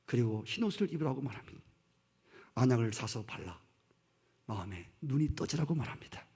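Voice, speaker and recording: A man's voice: mid-range voice, big pitch swings, fairly quick, dark tone, slightly rough. A male pastor preaching a sermon, emphatic, questioning his congregation directly and acting out stern voices in quoted speech.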